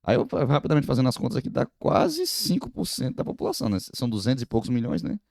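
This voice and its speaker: Co-host guy, gravelly dark voice, kinda hesitant, lots of né. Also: mid-range voice, wildly swooping pitch, quick pace, dry recording, studio quality. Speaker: podcast host. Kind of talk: casual podcast conversation.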